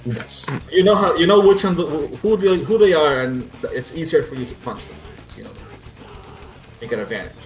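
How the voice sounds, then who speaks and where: A man with a fairly high voice, speaking at a moderate pace, runs a tabletop role-playing game as game master, narrating in a casual, profane, sweary way. The recording has a roomy echo with faint music behind.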